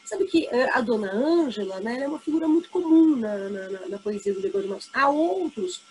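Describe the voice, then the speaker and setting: A woman's voice: fairly high pitch, animated, darkish tone, a little hiss or hum, rough recording. Brazilian woman teaching a lesson. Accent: Brazilian Portuguese. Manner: explanatory, checks in often with tag questions; reads poetry aloud slowly. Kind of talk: exam review lesson.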